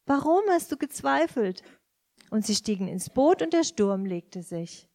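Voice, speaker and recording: A woman's voice: on the high side, sing-song, unhurried, warm tone. A woman reading scripture and interpreting a sermon phrase by phrase, following the preacher closely.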